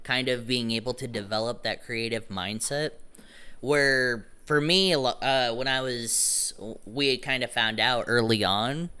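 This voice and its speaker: A man's voice: mid-range voice, unhurried, sharp tone, clear, resonant tone. A young man talking casually to a group, rambling and correcting himself, frank and a little profane. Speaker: meetup attendee introducing himself.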